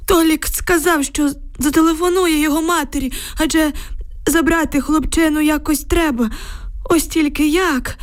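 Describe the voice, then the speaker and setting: A woman's voice: high-pitched, fairly even intonation, moderate pace, pitched above the performer's own voice, natural voice. A woman voicing a frightened village man of about seventy, who tells his news in a lamenting, emotional way.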